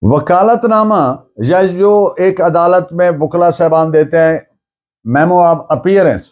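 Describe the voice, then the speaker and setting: A man with a Pakistani accent lecturing on a legal text, deliberate, restating things in other words as he explains. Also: high-pitched, darkish tone, dull audio. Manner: deliberate, explains by repeating and rephrasing. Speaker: law lecturer.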